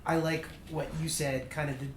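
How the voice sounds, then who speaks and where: Discussion participant, mid pitch, thoughtful and halting, roomy sound. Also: flat delivery. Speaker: workshop participant. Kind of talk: roundtable discussion. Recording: echoey room with faint noise.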